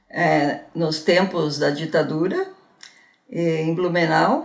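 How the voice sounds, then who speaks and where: Audible room echo follows a woman as she speaks at a very slow pace. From Paraná, southern Brazil. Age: 70s. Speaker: retired educational counselor and teacher. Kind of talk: testimony. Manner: halting, many fillers.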